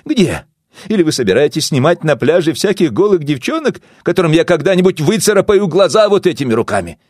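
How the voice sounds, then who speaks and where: A jealous young woman, shrill and frantic, voiced by a man reading a storybook. Her voice rides far above the narrator's, loud and lively. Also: fairly quick, slightly rough, dry recording, studio quality. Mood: indignant. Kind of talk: audiobook character voice.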